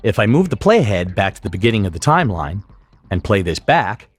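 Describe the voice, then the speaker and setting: Male tutorial instructor, lowish register with animated intonation, measured scripted explanations. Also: over music. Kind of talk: scripted software tutorial narration.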